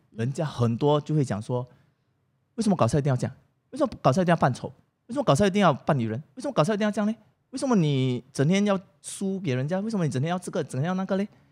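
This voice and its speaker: Very wide pitch swings mark this very fast speech, captured in a very clean recording with a silent background. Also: man, high pitch for a man. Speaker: actor and TV host. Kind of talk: casual interview chat.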